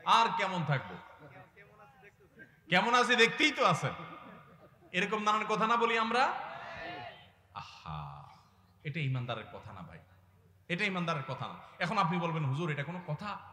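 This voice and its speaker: A man preaching an impassioned sermon to a large gathering on a microphone, asking the crowd question after question and swelling from soft pleading to loud exhortation. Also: a little high, wildly swooping pitch, normal speed, long pauses. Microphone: public address microphone. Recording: echoey long reverb through loudspeakers.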